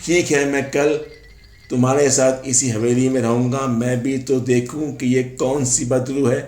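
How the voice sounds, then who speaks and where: A man's voice: mid-range voice, steady tone, a little mellow, close to an everyday voice. A man doing a stubborn skeptical husband. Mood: dismissive. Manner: dismissive. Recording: echoey room, faint music.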